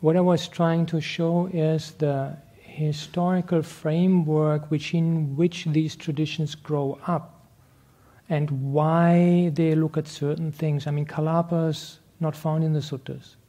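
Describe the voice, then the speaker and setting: A man's voice: fairly high pitch, flat delivery, measured pace, warm tone. A man, a meditation teacher answering audience questions, explaining earnestly and laughing often. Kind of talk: lecture Q&A. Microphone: handheld microphone passed around the room.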